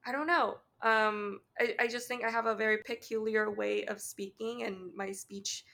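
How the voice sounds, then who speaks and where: A woman with a Canadian accent and heavy vocal fry, co-hosting a casual podcast chat with long pauses. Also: on the high side, steady tone, pushed and bright. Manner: long pauses, candid and swearing. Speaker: podcast co-host.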